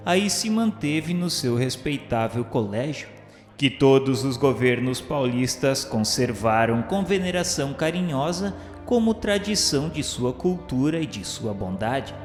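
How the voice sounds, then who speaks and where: A man with a Brazilian Portuguese accent reads a religious radio drama narration in a formal, solemn, measured way. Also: mid-range voice. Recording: roomy reverberant sound with music underneath. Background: music.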